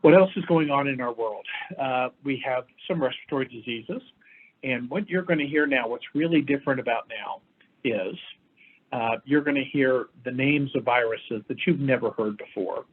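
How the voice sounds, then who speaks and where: A man with a hoarse voice from a lingering respiratory infection, giving an informal medical briefing as a doctor, explaining things in measured, emphatic phrases. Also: mid-range voice. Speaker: doctor hosting a health update for firefighters and EMS. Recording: thin, phone-like band-limited audio.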